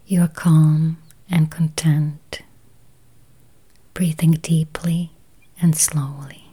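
Whispering, breathy woman guiding meditation slowly. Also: low voice, level tone, mellow. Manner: slow, soothing, with long pauses. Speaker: guided meditation host. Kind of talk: whispered guided meditation with affirmations.

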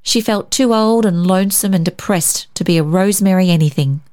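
Female story reader, mid-pitched, expressive literary narration. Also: a little fast.

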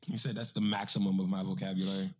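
Husky low man, teasing. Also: flat delivery, quick pace, darkish tone. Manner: teasing, sarcastic. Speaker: podcast co-host. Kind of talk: casual chat.

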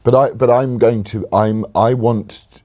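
A man hosting a casual political chat, animated and jokey, with sudden mocking asides. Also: medium pitch, unhurried. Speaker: interviewer and podcast host.

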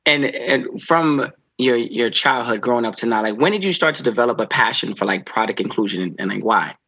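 Male podcast host, slightly husky voice, friendly interviewer, casual chat. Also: medium pitch, animated, brisk, pushed and bright. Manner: friendly, encouraging, with many affirming murmurs.

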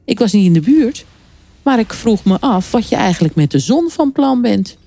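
A woman's voice: fairly high pitch, sing-song, normal speed, vocal fry, mellow, voice pushed up, full character voice. A woman voicing a polite, earnest male ant who asks questions carefully and a little hesitantly.

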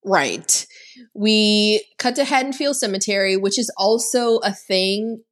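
A woman's voice: mid-range voice, unhurried. A woman co-hosting a podcast, recapping a horror movie in a chatty, sarcastic way and saying "like" a lot. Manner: chatty and sarcastic, heavy use of "like". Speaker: podcast co-host. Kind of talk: casual film recap.

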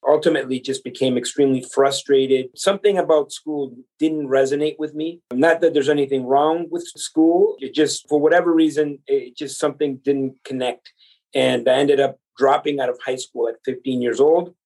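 Husky-voiced man telling his story. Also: medium pitch, steady tone, normal speed, a little mellow, rough recording. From El Salvador. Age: 40s. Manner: earnest, motivational, speaks to the listener directly. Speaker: podcast guest, entrepreneur. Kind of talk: conversational storytelling.

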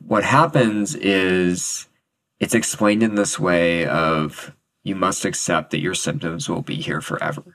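A man co-hosting a mind-body podcast, joking with his co-host and then explaining ideas calmly. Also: deep voice, a little slow. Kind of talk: casual podcast chat.

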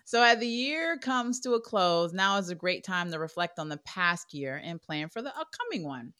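A woman's voice: on the low side, big pitch swings, normal speed, bright, forceful tone, clean tone. A woman in her forties hosting a casual podcast about faith and money, laughing often and playful as she talks. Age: 40s. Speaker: podcast host.

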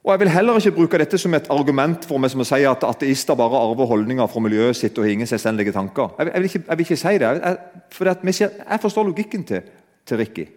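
Male preacher, conversational sermon, lively pitch, long hall reverb. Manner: conversational, addresses listeners directly.

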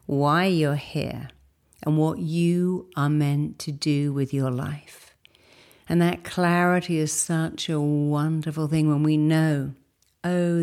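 A woman leads a guided meditation, soothing, unhurried, and instructive. Her soft, low-sitting voice turns breathy at the ends of phrases.

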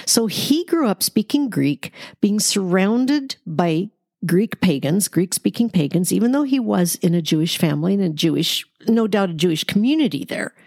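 A woman's voice: medium pitch, darkish tone, no room sound, studio quality. A woman hosting a Bible study, explaining scripture conversationally in an explanatory, emphatic way. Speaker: Bible study podcast host.

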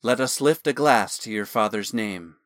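A male narrator voicing a brooding veteran fighter who speaks solemnly and then shouts manically, his voice climbing high. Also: moderate pace, no echo, studio quality, natural voice.

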